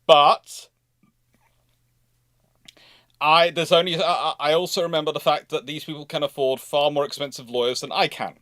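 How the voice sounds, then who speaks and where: A man hosts a casual livestream in a slightly high voice, recorded dry and close. He talks emphatically, repeating words and wandering off into asides as he answers. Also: fairly even intonation, brisk, fairly bright tone, no echo. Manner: emphatic, stammering repetitions, digressive. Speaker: livestream host. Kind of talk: casual live chat and question answering.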